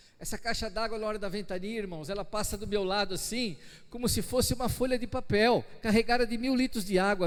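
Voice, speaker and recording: Audible room echo surrounds a man speaking at a fairly quick pace in a high-pitched voice with an animated tone. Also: hardly any pauses. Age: 60s. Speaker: pastor. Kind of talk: sermon.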